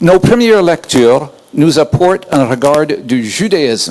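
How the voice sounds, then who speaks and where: This man has an American accent and a fairly high pitch. He speaks at a very slow pace with lively intonation. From United States. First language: English (speaking French). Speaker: moderator. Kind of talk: event moderation. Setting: hall with audience, streamed on Zoom. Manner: halting.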